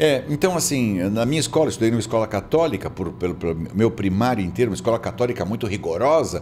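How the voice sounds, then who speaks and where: Over music in the background, a man at medium pitch talks very fast with lively intonation and hardly any pauses. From Brazil, São Vicente (São Paulo coast). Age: 60s. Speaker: historian, institute president. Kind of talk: podcast interview, life stories.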